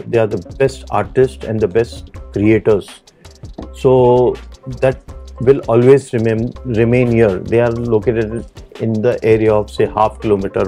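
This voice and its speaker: A middle-aged man with an Indian English accent, a jeweller answering interview questions in earnest, halting English inside his small shop. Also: lowish voice, warm tone.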